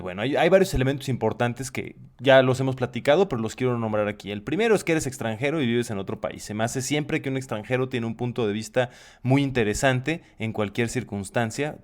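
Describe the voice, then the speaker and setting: A man in a thoughtful discussion, explaining reflectively and restating his phrases as he goes. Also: mid-range voice.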